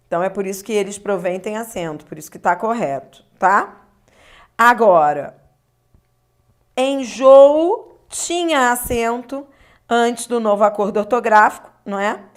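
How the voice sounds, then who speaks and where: A woman with a medium-pitched, lively voice teaches grammar in a video at an unhurried pace. She explains things step by step. She uses tag questions to make sure the listener is following.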